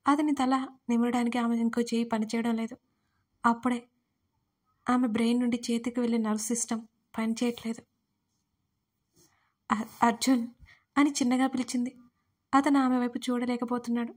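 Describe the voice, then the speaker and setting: Woman storyteller, scripted narration, steady reading, high voice, flat intonation. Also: a little fast.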